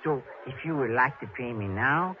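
An actor playing a greedy, ingratiating French informant with a French accent, in a 1950s radio drama. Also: male voice, medium pitch, lively intonation, moderate pace, lightly acted. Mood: wheedling. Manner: wheedling, ingratiating. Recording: noisy lo-fi old radio recording.

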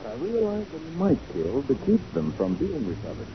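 An American man plays a shrewd, self-assured private detective in a 1940s radio drama, his slightly high voice making huge pitch swings at a slightly fast pace. He explains with confident showmanship. The old recording is muffled and noisy, with a crowd in the background.

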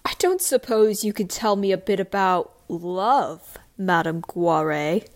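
A woman voicing a flirtatious, smirking male inspector in a read-aloud story, with slow, deliberate formality. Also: medium pitch, lively intonation, gravelly. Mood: smooth flirting.

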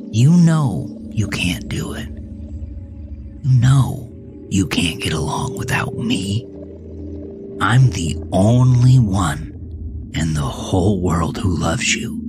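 Slow, menacing bully acted by a man. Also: low-pitched, heavily acted. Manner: contemptuous, coaxing, deliberate. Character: menacing male imaginary friend, bullying, coldly controlling, falsely paternal. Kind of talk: horror audio drama character dialogue.

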